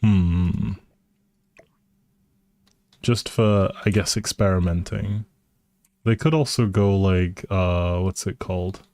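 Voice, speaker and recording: A man's voice: sits low, slow, pauses often, dark tone, no echo, clean studio sound. A man live streaming a video game with casual, hesitant commentary, thinking aloud and often trailing off. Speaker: live streamer playing a life simulation game.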